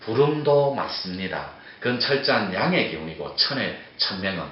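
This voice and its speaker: A man speaks at a medium pitch and a fairly slow pace, his pitch swinging very widely, with noticeable background noise and audible room echo. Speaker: meditation teacher. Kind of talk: lecture.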